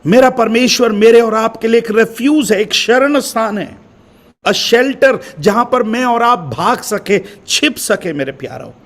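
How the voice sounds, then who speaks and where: A man's voice: very high-pitched, expressive, measured pace, a bit bright. A male pastor from India delivering a sermon with emphatic repeated refrains, calling his listeners beloved. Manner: addresses listeners as beloved brothers and sisters.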